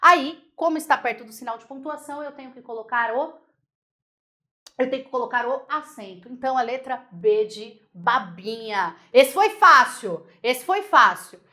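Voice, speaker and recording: A Brazilian woman teaching Portuguese grammar for exam prep, lively and chatty, checking in with her students again and again. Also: fairly high pitch, moderate pace.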